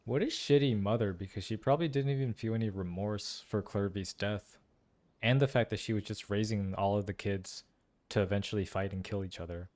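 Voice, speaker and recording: A man's voice: on the low side, fairly quick, a little mellow. A man giving casual, musing playthrough commentary and analysis, repeating phrases for emphasis. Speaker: gaming streamer reacting to a story quest.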